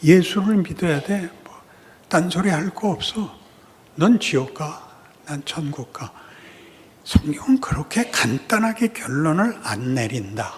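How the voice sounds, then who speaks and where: Animated older male pastor in a reverberant hall. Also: a little high, measured pace. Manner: animated preaching, acting out God's rebuke in a loud scolding voice. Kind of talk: sermon. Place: church sanctuary. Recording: long reverb of a church hall.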